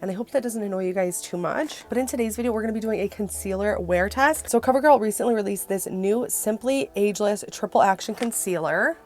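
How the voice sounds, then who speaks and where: A woman's voice: mid-range voice, brisk, hardly any pauses, darkish tone, soft background music. A woman beauty vlogger chatting casually to viewers through a product review, her voice worn from being sick.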